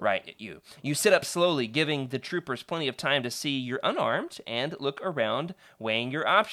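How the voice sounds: What you hear is a natural reading voice.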